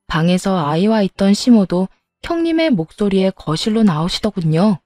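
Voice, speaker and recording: Woman narrator, calm story recounting, mellow tone, dry close sound. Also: medium pitch, dry recording. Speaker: narrator, younger daughter-in-law.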